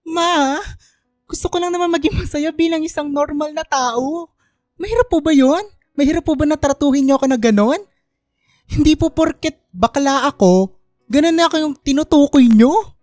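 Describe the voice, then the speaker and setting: A woman's voice: high voice, darkish tone, no echo, clean studio sound, lightly acted. A woman playing a hurt young gay son in a Filipino radio drama, pleading respectfully.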